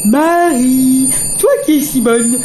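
A woman's voice: high voice, takes it slowly, mellow, a little hiss or hum, low-quality recording. A woman voicing a petulant, fifteen-hundred-year-old tap fairy with a haughty manner. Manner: haughty, disdainful.

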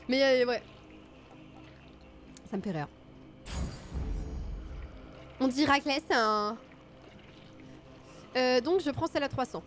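A woman's voice: sits high, sing-song, extremely slow, pauses often, soft background music. A woman streaming a video game with casual, self-mocking commentary, her nose stuffy from a cold. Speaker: gaming streamer.

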